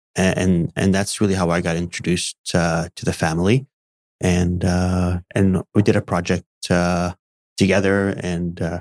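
A man speaks at a very deep, low pitch, with a dry, close sound and no echo. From Vancouver area, Canada (moved from Lebanon at 15). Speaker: real estate development executive. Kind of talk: interview conversation. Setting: studio.

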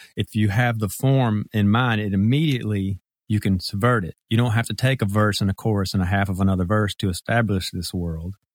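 With a Southern US accent, a man talks at a fairly quick pace with hardly any pauses and fairly even intonation, in a dry, close sound with no echo. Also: fairly low pitch for a man, very clean recording, silent background. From US South, Mississippi. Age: 40s. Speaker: alt-country musician. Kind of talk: casual chat.

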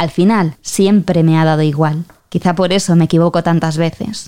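A woman's fairly low, dark and mellow voice at a moderate pace, with fairly even intonation. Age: 40s. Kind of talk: reading a personal letter.

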